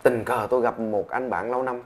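A man telling a story in a steady, measured narrating voice. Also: mid-range voice. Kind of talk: scripted storytelling.

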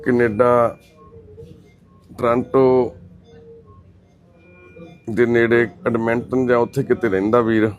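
A man's voice: mid-range voice, level tone, slow, pauses often, soft background music. A man working as a charity volunteer, earnestly pleading with an absent son to call his grieving mother. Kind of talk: emotional appeal to camera.

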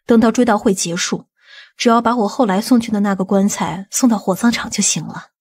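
A woman playing a composed, scheming aunt in an audiobook, measured and authoritative. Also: medium pitch, darkish tone, husky, natural voice. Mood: firm. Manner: measured, matter-of-fact, authoritative. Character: composed, commanding, scheming aunt of a powerful family.

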